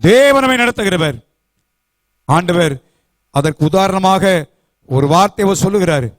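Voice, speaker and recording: Male pastor, fervent call-and-response preacher; pitched high, dry and close-miked. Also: lively intonation, measured pace, no room sound. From South India. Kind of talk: sermon. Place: church.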